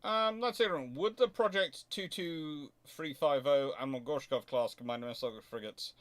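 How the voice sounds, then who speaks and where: A man hosting an unscripted explanatory question-and-answer talk, thinking aloud in halting stretches and sudden rushes as he works out his answers. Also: fairly high pitch, fairly bright tone. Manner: hesitant, thinking aloud, halting then rushing. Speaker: host answering viewer questions on naval history.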